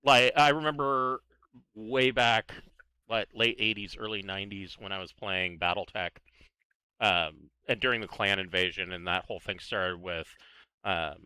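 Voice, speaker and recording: A man's voice: lowish voice, bright, forceful tone, smooth, no echo, low-quality recording. A man telling rambling stories in a casual chat with friends, laughing often.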